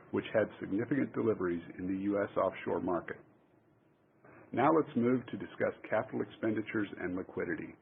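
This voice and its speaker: A man delivers a prepared financial presentation in a formal, measured manner. His voice has a lot of gravelly fry. It comes through a thin telephone connection with clearly audible noise behind it. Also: fairly low pitch. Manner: formal, measured reading of figures. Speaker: company executive. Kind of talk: scripted earnings call presentation. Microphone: conference call phone line. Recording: tinny phone line with clear noise.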